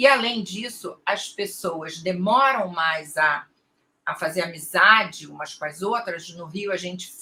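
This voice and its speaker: A woman's bright, sharp voice at a medium pitch, very slow, with ordinary pitch variation. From Brazil, Rio de Janeiro. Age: 60s. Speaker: literature professor, Shakespeare scholar. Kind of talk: interview.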